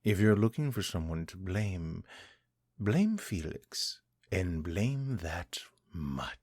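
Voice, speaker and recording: A man's voice: sits low, big pitch swings, a little mellow, dry recording, clean studio sound, heavily acted. A man playing a mocking ancient vampire lord. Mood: taunting. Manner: taunting, condescending, slow and deliberate. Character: centuries-old vampire lord, cruel, mocking villain. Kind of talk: audio drama, one-sided dialogue.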